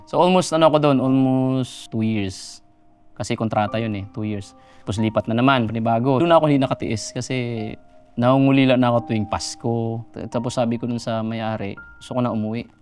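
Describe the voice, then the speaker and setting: A man from Mindanao in his thirties, a guest in a studio interview, telling his life story in a soft voice that trails off quietly. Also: medium pitch, fairly quick, soft background music. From Mindanao, Philippines.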